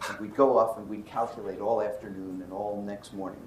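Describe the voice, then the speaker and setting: An older man from Brooklyn giving a university physics lecture, animated and often checking in with his students. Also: lowish voice, fairly quick. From Brooklyn, New York. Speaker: physics professor. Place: lecture hall. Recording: roomy lecture hall, faint noise.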